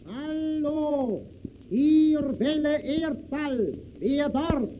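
Very shrill, excitable radio caller. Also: male voice, full character voice. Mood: urgent. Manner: calling out, drawn-out. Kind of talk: 1930s radio play acting. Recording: dull 1930s radio recording, loud music.

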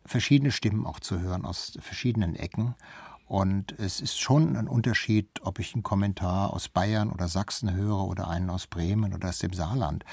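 A man's voice: on the low side, darkish tone, slightly rough, dry recording. A man speaking as a guest in a panel discussion, explaining and arguing his position spontaneously.

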